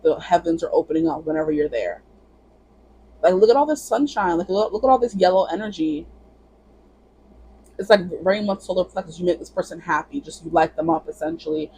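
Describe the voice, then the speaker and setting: Husky-voiced woman giving a chatty tarot reading. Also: lowish voice, mellow, rough recording. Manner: chatty, rambling, heavy use of "like" and "you know". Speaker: tarot reader. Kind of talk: casual pick-a-card tarot reading.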